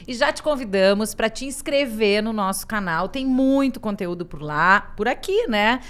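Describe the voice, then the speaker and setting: A woman's voice: medium pitch, lively intonation, normal speed, a bit bright, clear, resonant tone. Woman, gaúcho accent, podcast co-host, chatty, playful, tag questions, glass studio with audience. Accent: southern Brazilian gaúcho. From Rio Grande do Sul, southern Brazil. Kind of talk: upbeat podcast hosting.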